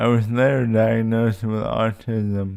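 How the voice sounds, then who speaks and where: In an American accent, a man speaks at a very slow pace in a fairly low pitch with monotone, flat intonation. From North Carolina, raised from age five (born Pennsylvania). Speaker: investing YouTuber. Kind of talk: autobiographical narration.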